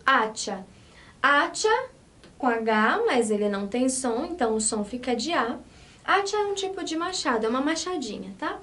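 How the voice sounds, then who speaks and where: A woman teaching a language lesson, explaining patiently step by step, switching between two languages and checking that students follow. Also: sits high. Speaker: Spanish teacher.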